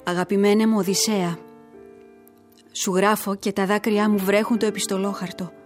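A woman's voice: mid-range voice, little pitch movement, soft background music, close to an everyday voice. An actress playing a grieving young woman who tells her story earnestly and emotionally, as in a letter read aloud in a radio drama.

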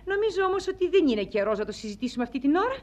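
A dignified wife who has been wronged, in theatrical comedy style. Her voice is high and formal, with cool self-possession and a sharp, dry tongue. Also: big pitch swings. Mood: coolly defiant. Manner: composed, formal, dryly ironic. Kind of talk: theatrical stage-comedy acting.

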